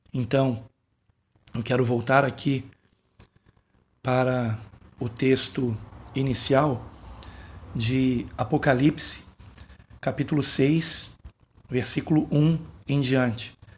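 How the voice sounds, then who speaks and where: Speaking at a very slow pace, a man leaves long, frequent pauses. His medium-pitched voice is somewhat breathy, with fairly even intonation. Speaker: pastor. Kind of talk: casual video talk on biblical prophecy. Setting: at home, recording late at night. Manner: soft-spoken.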